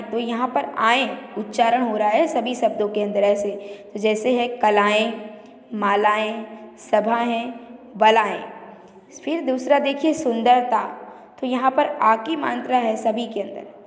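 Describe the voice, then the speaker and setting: A woman teacher going through a school revision lesson, explaining step by step and listing word pairs. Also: fairly high pitch. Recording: echoey room reverb.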